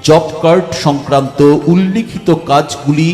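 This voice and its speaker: A man making a formal public announcement for a village council through a loudspeaker mic, in a measured, reading-out manner. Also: fairly high pitch. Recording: echoey hall reverb with faint music.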